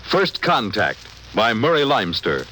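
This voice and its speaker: A man's voice: on the low side, huge pitch swings, measured pace, bright, forceful tone, a little hiss or hum, low-quality recording. A man narrating a 1950s radio drama in a grave, portentous manner.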